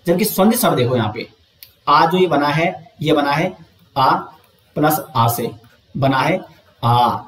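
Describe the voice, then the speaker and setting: Male teacher, exam coaching lesson, answers his own questions, drawn-out demonstration sounds, echoey room. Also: a little high. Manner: draws out sounds slowly to demonstrate them.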